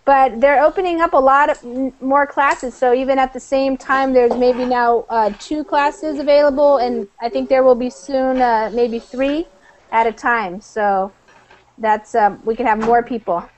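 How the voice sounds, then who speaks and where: A woman's voice: high-pitched, fairly even intonation, a little slow, a little hiss or hum, poor audio. Chatty American woman teaching online. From United States. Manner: friendly, chatty, many fillers. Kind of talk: live online class. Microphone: video call.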